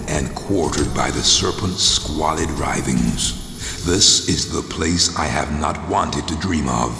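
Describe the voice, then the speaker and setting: An actor playing a brooding undead voodoo warrior and grim lord of the dead in a video game, with a very deep, gravelly voice and an ominous, theatrical, poetic delivery. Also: male voice, heavily acted. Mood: grim, menacing. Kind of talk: dramatic scripted game monologue. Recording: long cavernous reverb, clear background noise.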